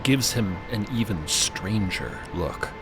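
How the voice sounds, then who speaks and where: Animated male audio drama narrator. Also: lowish voice, slow pace. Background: music bed.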